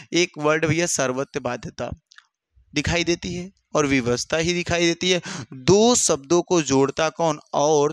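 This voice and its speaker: Animated, repetitive male teacher. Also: fairly high pitch, no echo. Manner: animated, repeats answers, voices students' replies, addresses listeners as bhaiya. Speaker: Hindi teacher. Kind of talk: exam-prep lesson.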